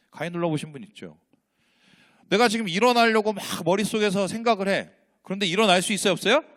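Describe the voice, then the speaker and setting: Animated man preaching, swooping pitch. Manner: animated, acts out dialogue in changing voices, asks rhetorical questions. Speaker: pastor. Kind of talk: sermon. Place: church sanctuary.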